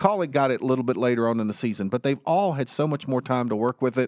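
Speaking very fast with a Southern US accent, a man is recorded very cleanly against a silent background, the sound dry and close with no echo. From US South. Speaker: motorsport betting podcast co-host. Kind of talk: casual sports chat.

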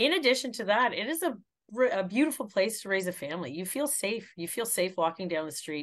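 With a Canadian accent, a woman speaks at a fairly quick pace in a medium pitch. Her pitch swings very widely over a quiet background. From Toronto, Ontario (Scarborough). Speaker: town councillor. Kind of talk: interview. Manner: hesitant, repeats words.

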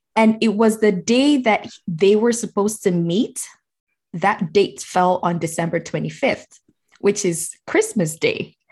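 Somewhat breathy, a woman talks at a fairly slow pace with very even loudness. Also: medium pitch for a woman, ordinary pitch variation. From Nigeria. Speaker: intuitive eating coach. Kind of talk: casual chat.

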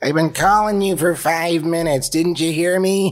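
A put-on character voice in a Minnesota accent comes at a middle pitch and a moderate pace.

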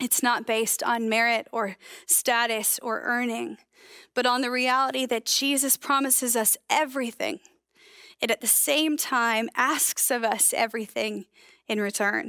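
A woman with an American accent speaks at a fairly slow pace in a high pitch, with fairly even intonation and very even loudness. Her tone is bright and sharp, and the sound is dry and close with no echo. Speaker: preacher. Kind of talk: sermon. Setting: recorded video for online church service.

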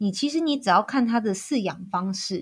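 Lively intonation colors a woman's moderately paced speech. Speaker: ham industry promoter and author. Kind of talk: casual interview. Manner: halting with frequent repetitions.

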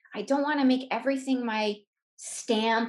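Using an unremarkable speaking voice, a woman speaks at a moderate pace with fairly even intonation. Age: 40s. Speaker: yoga teacher. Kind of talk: casual interview.

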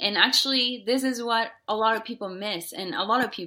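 A bright, sharp tone with a Japanese accent comes through a very clean recording with a silent background. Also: woman. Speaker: entrepreneur and online educator. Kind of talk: interview.

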